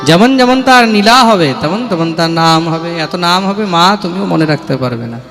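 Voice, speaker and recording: In a reverberant hall with music playing, a preacher gives a devotional sermon, chanting verses and urging his audience to respond. His high, gravelly voice is animated and keeps a moderate pace.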